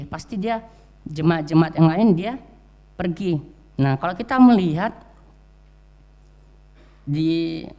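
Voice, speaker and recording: A man's voice: a little high, dark tone. A man preaching a sermon in a church, talking conversationally with many "ya" and "eh" fillers as he tells stories. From Indonesia. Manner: frequent "ya" and "eh" fillers, conversational storytelling. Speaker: religion teacher.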